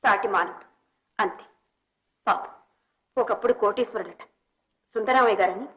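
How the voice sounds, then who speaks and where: An actress playing a kind young woman who helps a sick stranger, speaking gently in an old film melodrama. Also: medium pitch, moderate pace, close to an everyday voice. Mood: gentle concern. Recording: dull old film soundtrack.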